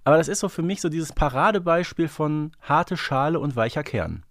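This podcast co-host, a man with a fairly high-pitched, expressive voice, talks fairly quickly in a casual chat about an audio drama series. He thinks aloud in a reflective, hesitant manner, and the recording is dry with clean studio sound.

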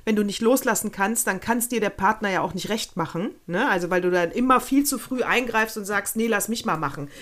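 A woman's voice: mid-range voice, a little fast, hardly any pauses, a bit bright. A woman co-hosting a podcast, giving blunt, opinionated advice in casual chat and swearing freely. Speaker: podcast co-host.

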